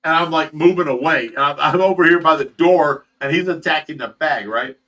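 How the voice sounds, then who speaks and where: On a casual livestream, a sixty-something fish rescue host from Ohio reads viewer comments and rambles through stories, laughing often and swearing without restraint. His voice is on the high side, a little fast, bright and forceful, and he's far from the mic.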